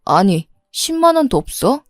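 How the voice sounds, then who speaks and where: A woman's voice: fairly high pitch, very animated, a little slow, dry recording, studio quality. A woman voicing an irritable, shifty man who is posing as someone's old flame, speaking curtly and defensively. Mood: snappish. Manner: curt and defensive.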